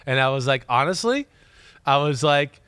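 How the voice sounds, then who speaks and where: A man's voice: medium pitch, expressive, normal speed, a bit bright, clean tone, no echo, studio quality. A middle-aged man with a stuffy, congested nose, hosting a casual football analysis chat in an emphatic way, often tossing in a rhetorical "right?". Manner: emphatic, repeats words and restarts, rhetorical "right?". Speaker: podcast host, former quarterback. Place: studio desk.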